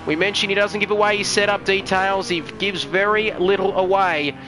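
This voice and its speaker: A man's voice: sits high, steady tone, moderate pace, over music. A man commentating a sim racing live stream, chatty and joking as he reads out viewer comments. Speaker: race commentator.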